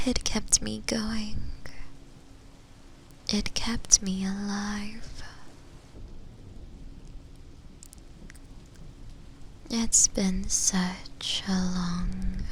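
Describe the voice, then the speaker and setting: A woman playing a lonely, possessive shadow demon in a slow, intimate ASMR roleplay, speaking in a breathy, unvoiced whisper with long pauses. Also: mid-range voice, a little hiss or hum. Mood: yearning, relieved. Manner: slow, hushed, lingering delivery with long pauses.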